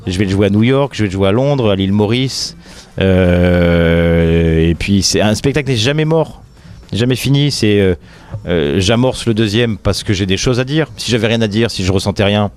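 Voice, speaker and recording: A comedian from the French Riviera chatting in an interview, full of fillers and restarts and quick jokes. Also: male voice, fairly low pitch, darkish tone, clear, resonant tone. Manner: hesitant, many fillers and restarts, jokey. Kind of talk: casual interview chat.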